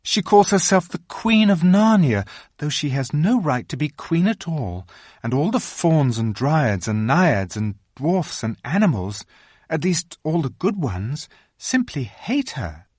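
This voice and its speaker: A reader voicing an excited, cheerful young girl in a storybook reading. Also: medium pitch, measured pace, slightly rough, no echo, studio quality, pitched above the performer's own voice. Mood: eager. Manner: eager, breathless. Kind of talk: audiobook reading.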